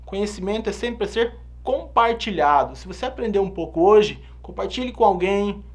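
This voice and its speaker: Brazilian man teaching with a lively pitch. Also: normal speed. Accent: Brazilian Portuguese. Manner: explains step by step, often checking in with "tá?" and "certo?". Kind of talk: recorded online lesson.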